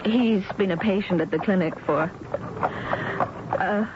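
A guarded, anxious young woman played by a radio actress speaks in a formal, reserved way. It is period radio drama from the 1970s, dull in sound with clear background noise. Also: medium pitch, measured pace, lightly acted. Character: anxious, reserved young woman, turn-of-the-century music student. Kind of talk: 1970s radio drama acting, first-person narration and dialogue. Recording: dull, noisy old radio recording.

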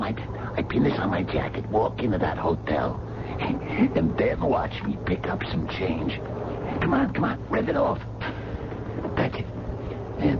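An actor playing an excitable, bossy young mugger with slangy tough talk in a radio drama. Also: male voice, fairly low pitch, full character voice. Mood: gleeful, cocky. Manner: slangy tough-guy talk, jumpy stammers. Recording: dull, noisy old radio broadcast recording.

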